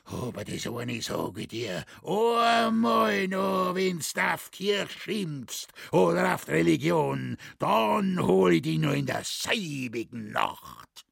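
A man voicing a Bavarian countryman pretending to be the devil, with a slow, menacing, booming delivery. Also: big pitch swings, creaky, a bit bright, slightly rough, no echo, clean studio sound, heavily acted. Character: gruff rustic man posing as the devil.

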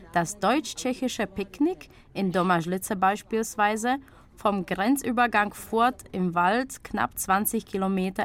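A woman reading the scripted narration of a radio feature in an even, measured way. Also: mid-range voice.

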